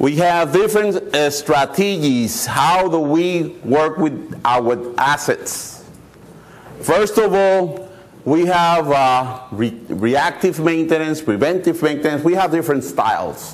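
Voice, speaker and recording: A man with a non-native accent speaks very slowly at a fairly high pitch, his loudness very even. The room echo is audible, and background noise is noticeable. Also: ordinary pitch variation. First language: not English. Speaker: maintenance service provider. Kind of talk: conference presentation.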